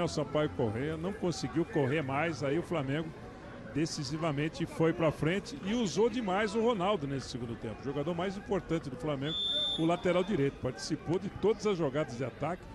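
A Brazilian man giving conversational football analysis, often ending his points with little tag questions. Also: fairly high pitch. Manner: frequent rhetorical tag questions. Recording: crowd noise behind broadcast voice. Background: stadium crowd.

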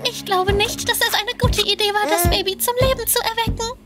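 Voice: very high voice, fairly even intonation, a little fast. A performer voicing a plucky, cheerful five-year-old girl in a children's cartoon dub. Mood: worried, urgent. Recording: loud music behind the voice.

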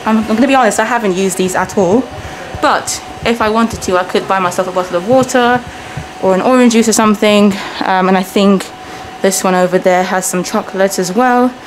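A woman in her thirties whose first language is Persian, giving an upbeat, chatty walking tour of a hotel while she films herself. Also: fairly quick. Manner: chatty, upbeat, lively ups and downs in pitch. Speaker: travel vlogger. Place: indoor hotel lobby and halls. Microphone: handheld camera, self-filmed. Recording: noisy handheld camera audio.

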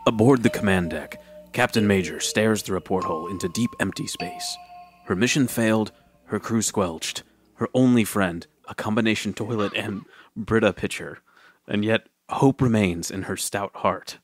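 A man's voice: on the low side, moderate pace, faint music behind, lightly acted. A man playing a grandiose science fiction narrator, dramatic and mock-solemn, in a scripted audio drama. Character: grandiose male sci-fi narrator.

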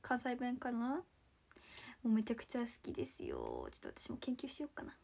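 Bubbly high-voiced young woman streaming. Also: huge pitch swings, fairly quick, creaky, darkish tone. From Saitama, Japan. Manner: chatty and bubbly, thanking viewers by name, drops into whispers. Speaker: idol livestreaming and reading viewer comments. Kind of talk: casual livestream chat.

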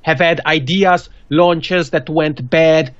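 A man's voice: on the high side, takes it slowly, dry recording. A man in his thirties from Switzerland, a non-native English speaker with a Swiss accent, giving earnest advice as a guest on a video call interview. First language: not English. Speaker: podcasting guest. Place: small indoor room. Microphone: studio mic with pop filter on a video call. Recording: dull, dry video call audio.

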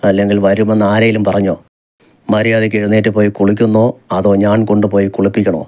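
A man voicing a young husband in an audiobook romance, firm and commanding yet gently coaxing. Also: lowish voice, monotone, fast talker, close to an everyday voice. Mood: bossy.

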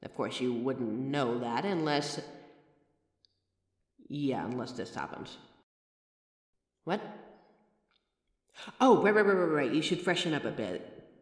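A woman's voice: very deep voice, animated, slow pace, pauses often, heavily acted. A woman voicing the listener's own mirror reflection, a chatty, friendly female figure who talks with reassuring, self-aware rambling in a comfort roleplay. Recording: roomy echoey recording with long reverb.

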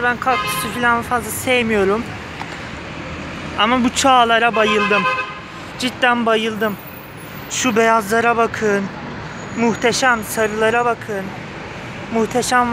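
A man speaking through a face mask, slightly muffled, giving an enthusiastic, gushing casual vlog commentary to viewers. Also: sits high. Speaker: vlogger. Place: outdoors on a street pavement outside a flower shop. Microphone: handheld phone behind the camera. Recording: street noise with passing cars. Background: cars, outdoor urban ambience.

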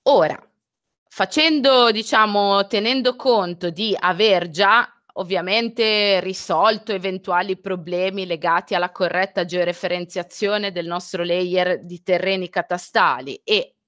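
A woman gives a webinar tutorial in a slow, unhurried way, stopping often for fillers and to correct herself. Her voice sits a little low, and it is recorded dry, close to the mic, with no room sound. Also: fairly bright tone, no echo, dull audio. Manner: hesitant, many fillers and self-corrections. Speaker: presenter of a software tutorial. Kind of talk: live webinar explanation with screen demo.

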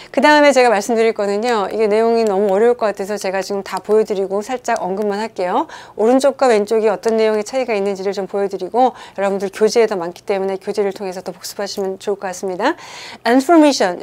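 A woman teaching an English grammar lesson online, lively and coaxing, asking her students questions and reading English examples slowly. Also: mid-range voice.

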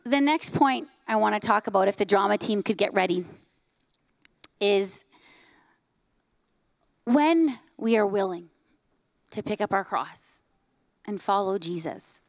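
A woman in her forties preaching a sermon on a church stage into a handheld mic, emphatic, often dropping to hushed lines. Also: mid-range voice, lively intonation, measured pace, gravelly, long pauses, no echo. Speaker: pastor. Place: church stage, large hall.

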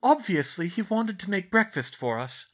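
Man playing a clever young girl witch, raised pitch, bright tone, brisk, reassuring, storybook character. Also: sing-song, exaggerated voice. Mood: soothing, explaining.

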